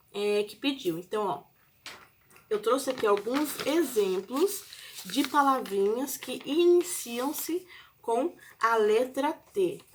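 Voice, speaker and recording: A woman's voice: fairly high pitch, a little hiss or hum. A woman teaching a Portuguese spelling lesson with a Brazilian accent, patiently spelling out and stressing example words for young learners. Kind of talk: recorded classroom lesson.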